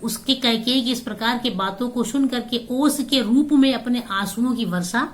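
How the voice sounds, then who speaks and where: A woman's voice: fairly high pitch, moderate pace. A woman teacher reads lines of a poem aloud and then explains each one in plain words. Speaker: Hindi teacher.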